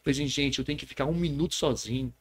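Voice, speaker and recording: A Brazilian pastor, speaking with a Brazilian Portuguese accent, earnestly shares a personal testimony as a podcast guest, often tagging his sentences with a question. His mid-range voice comes out very fast.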